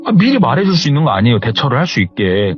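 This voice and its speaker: A man retelling a viewer's horror story in an animated, conversational way. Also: mid-range voice, fast, faint music behind. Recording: slightly muffled lo-fi recording.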